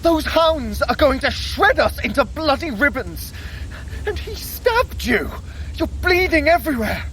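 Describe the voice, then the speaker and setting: An actor playing a panicky, sharp-tongued trickster god in an audio drama, theatrical and exasperated. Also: high-pitched, big pitch swings, a little slow, exaggerated voice. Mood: alarmed, exasperated. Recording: noisy chaotic chase ambience.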